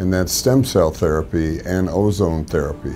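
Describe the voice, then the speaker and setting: Music plays behind a man with a very deep, low voice. He talks at a moderate pace with ordinary pitch variation. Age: 70s. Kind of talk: testimonial interview answer.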